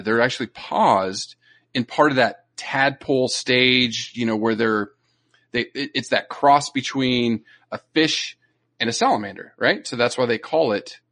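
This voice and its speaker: Guy cohosting a nature podcast, middle pitch, chatty explainer, lots of you know and right. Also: fairly bright tone. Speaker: podcast co-host. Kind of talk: casual educational chat.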